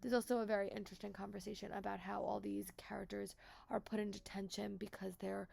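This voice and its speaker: A woman's voice: mid-range voice, gravelly, darkish tone. A woman book vlogger with a stuffy cold, chatting casually and repeating words with lots of fillers. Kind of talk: casual chat to camera.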